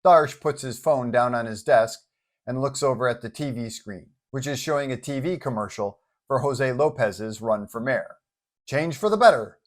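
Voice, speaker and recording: A man's voice: medium pitch, moderate pace. A man hosting and telling a scripted superhero-style story in a dramatic narrator's delivery. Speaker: storyteller and channel host.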